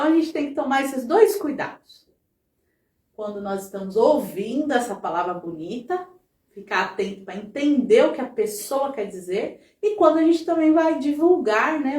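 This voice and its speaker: A woman's voice: fairly high pitch, a little mellow, distant mic. A woman giving a conversational talk at a spiritist center, constantly checking in with her listeners. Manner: chatty, constant tag questions to the audience. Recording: roomy sound, voice from off the mic.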